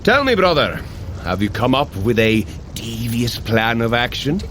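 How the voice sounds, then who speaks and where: An actor playing a bold, earnest storm god in an audio adventure, speaking in a grand, formal, declamatory way. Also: male voice, mid-range voice, big pitch swings, a little slow, a bit bright, slight background noise. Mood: instructive. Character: Thor, bold, earnest male storm god, big brother. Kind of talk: scripted audio adventure acting.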